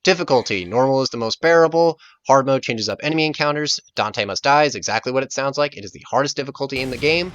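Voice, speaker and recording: A man's voice: mid-range voice, quick pace, hardly any pauses, fairly bright tone, dry recording, highs cut off. A man hosting a video game Let's Play with showy, sarcastic, scripted commentary. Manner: playful, sarcastic, showy intro delivery. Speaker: host of a Let's Play series.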